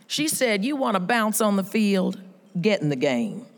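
A woman giving an emphatic motivational speech, telling stories with lively quoted voices. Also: mid-range voice, unhurried. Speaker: speaker at a women's event. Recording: reverberant hall.

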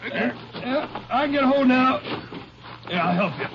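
Obliging doctor, high voice, very noisy muffled vintage radio recording. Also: male voice, expressive, moderate pace. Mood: straining, helpful. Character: cooperative, high-voiced male doctor at graveside. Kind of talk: 1950s radio drama acting.

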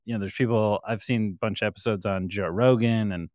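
A man's voice: on the low side, steady tone, brisk, darkish tone, no echo, clean studio sound. A man hosting his own interview show, asking friendly, upbeat questions in a casual way. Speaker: show host.

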